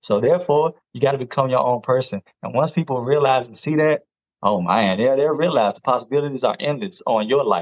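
A man talks fairly quickly with an American accent in a normal speaking voice. His medium pitch shows ordinary variation, and his loudness swings widely. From North Carolina small town. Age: 40s. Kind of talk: personal story interview. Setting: video call.

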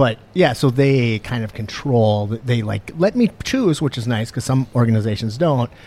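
At medium pitch and moderate pace, a man speaks in an unremarkable speaking voice. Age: 30s. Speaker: podcast host and martial arts coach. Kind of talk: casual chat.

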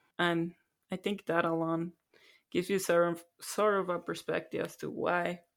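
Recorded very cleanly against a silent background, a woman with a Spanish accent speaks at a fairly low pitch in a monotone, flat intonation. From Colombia. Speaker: podcast co-host. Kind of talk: casual chat.

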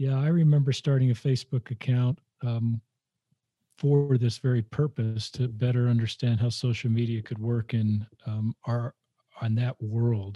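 Somewhat breathy with a dark, mellow tone, a man speaks with fairly even intonation in a dry, close sound with no echo. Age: 60s. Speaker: podcaster and author, former lay church leader. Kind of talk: casual interview.

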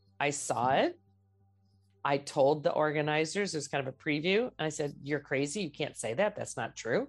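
With music in the background, a woman with an American accent speaks at a moderate pace in a very deep, low pitch. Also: ordinary pitch variation. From Michigan, US Midwest. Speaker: sailor and sailing center director. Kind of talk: interview.

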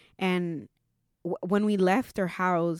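A woman speaks at a medium pitch and a fairly slow pace in a normal speaking voice, recorded very cleanly against a silent background. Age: 20s. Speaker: podcast host, church youth. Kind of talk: casual faith discussion.

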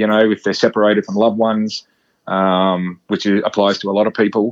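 In a dry, close sound with no echo, a man with an Australian accent speaks fairly quickly at a fairly low pitch with monotone, flat intonation. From Australia, Victoria. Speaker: mortgage business coach, podcast co-host. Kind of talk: casual chat.

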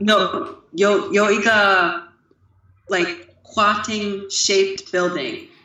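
With audible room echo, a woman at a medium pitch and ordinary pitch variation speaks at a very slow pace, leaving long, frequent pauses. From United States. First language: English (speaking Chinese). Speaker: Mandarin learner, expat. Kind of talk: casual chat. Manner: halting. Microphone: audio cutting in and out.

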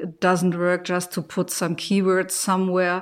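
Speaking at a fairly slow pace, a woman with a German accent and a fairly low pitch is captured on a very clean recording with a silent background. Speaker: marketing manager. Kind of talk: interview. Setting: company office.

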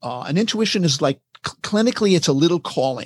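A plain, everyday voice speaks with lively intonation. The sound is dry and close with no echo, in a very clean recording with a silent background. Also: man. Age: 60s. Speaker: author. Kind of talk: interview.

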